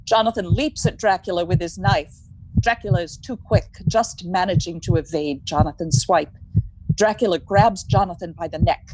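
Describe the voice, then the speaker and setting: A woman narrating the action of a gothic horror radio play in a measured, dramatic, scripted style. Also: on the low side, lightly acted. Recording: clearly noisy live recording.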